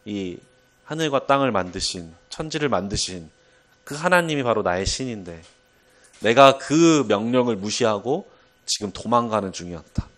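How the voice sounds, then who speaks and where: A man preaching a sermon, telling a Bible story in an animated way with occasional chuckles. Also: lowish voice, moderate pace.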